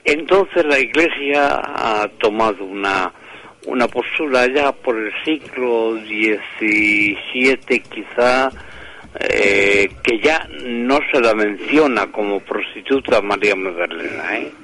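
A man, a priest and author, telling stories slowly in a radio interview, with many hesitations and restarts. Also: lowish voice, pushed and bright, low-quality recording.

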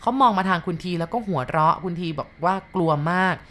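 A woman's voice: on the low side, fast, a bit bright. A woman narrating a ghost story to her listeners in a polite, storytelling manner.

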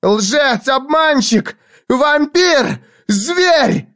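A man voicing a fierce, sharp-tongued young woman in a storybook reading, mocking and commanding. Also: animated, moderate pace, natural voice. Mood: screaming. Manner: mocking, commanding, shrill when angry.

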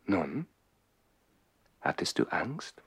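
An actor playing an ardent, playful young baron in a 1960s radio play, eager and courtly, with a husky voice. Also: male voice, deep voice, big pitch swings, very slow, no room sound, full character voice. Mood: tender.

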